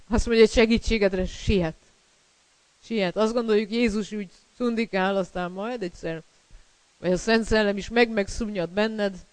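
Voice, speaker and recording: A man's voice: high-pitched, smooth, no echo, low-quality recording. A man preaching a sermon, emphatic and repeating key words, with fillers between phrases.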